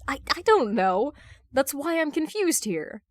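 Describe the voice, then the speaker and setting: A woman's voice: high voice, sing-song, measured pace, no room sound, studio quality, pitched above the performer's own voice. A woman voicing a flustered, defensive man who stammers in fan fiction audiobook dialogue. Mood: flustered, awkward. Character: flustered, exasperated adult man, superhero in love.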